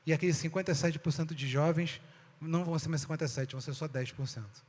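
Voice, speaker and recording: A man's voice: fairly high pitch, fairly even intonation, fast, darkish tone. A Brazilian man giving a talk to an audience, with a conversational style full of rhetorical questions. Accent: Brazilian Portuguese. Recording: long hall reverb.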